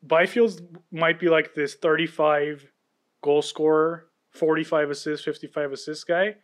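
Confident man, slightly high voice. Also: level tone, a little slow. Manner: confident, breaks down players with enthusiasm. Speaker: podcast co-host. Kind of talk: casual sports chat.

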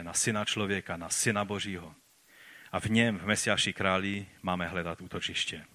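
A man preaching a sermon and reading scripture aloud, rising for emphasis and then dropping to slow, quiet lines. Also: lowish voice.

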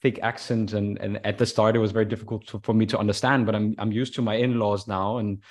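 A man hosting a podcast, talking in a hesitant, relaxed way with many fillers and restarts. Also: lowish voice, fast talker. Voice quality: single-sided deafness. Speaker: podcast host. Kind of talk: casual conversation.

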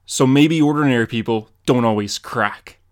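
A man's voice: mid-range voice, no room sound, studio quality, natural voice. A man reading as a grim masked vigilante. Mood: stern. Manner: earnest, measured, pleading. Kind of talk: dramatic comic reading.

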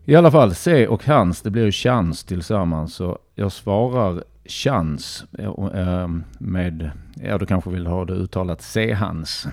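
A man's voice: low voice, few pauses, a little mellow, no echo, studio quality. A man with a Skåne Swedish accent, a playful, punning quiz contestant thinking aloud in a casual podcast chat.

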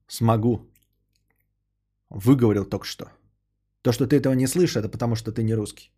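A man's voice: medium pitch, a little fast, dark tone, husky. A man, a podcaster and streamer, ranting in a sarcastic, indignant tone and swearing freely as he answers a viewer.

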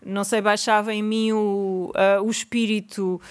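A woman's voice: medium pitch, flat delivery, unhurried. A woman with a European Portuguese accent, talking to an audience in a chatty, self-mocking way with many fillers. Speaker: speaker telling her story to an audience. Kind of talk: live talk to an audience.

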